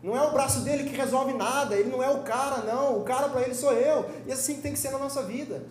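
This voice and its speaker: High-voiced Brazilian young man preaching. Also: quick pace, echoey room, a little hiss or hum. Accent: Brazilian Portuguese. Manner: lively, joking, conversational preaching with quoted voices. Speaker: Sunday school teacher. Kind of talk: sermon teaching. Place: church hall.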